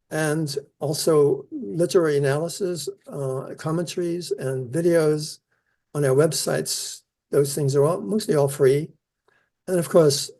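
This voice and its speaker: An older man, born in the Netherlands and raised in New Zealand, answering interview questions about his scripture research in an earnest, measured way. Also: a little high, creaky, dark tone. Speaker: Isaiah scholar, keynote speaker.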